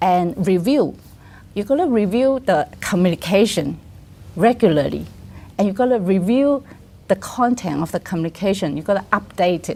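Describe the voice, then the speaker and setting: Speaking in a Chinese accent with a dark, mellow tone, a woman talks at a moderate pace with lively intonation and long, frequent pauses, in a very clean recording with a silent background. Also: medium pitch for a woman. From China, Guangzhou. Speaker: communication speaker. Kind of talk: interview.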